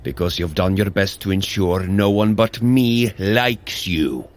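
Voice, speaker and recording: Earnest male god, lowish voice, unhurried pace, formal, drily teasing, long-suffering brother, audio drama. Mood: skeptical. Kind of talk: scripted audio drama acting.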